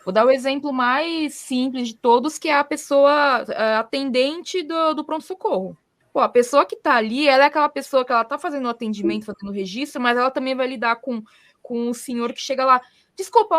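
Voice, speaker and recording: Brazilian woman host, fairly high voice, chatty explainer leaning on everyday examples. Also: a little fast, fairly bright tone. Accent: Brazilian Portuguese. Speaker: podcast host. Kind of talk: casual conversational advice.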